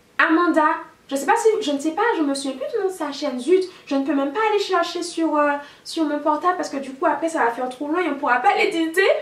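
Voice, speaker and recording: Mumbling speech with ordinary pitch variation comes through with audible room echo. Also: woman. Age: 20s. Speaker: beauty youtuber. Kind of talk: casual vlog tag, unedited. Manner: very fast; mumbling, stumbling over words.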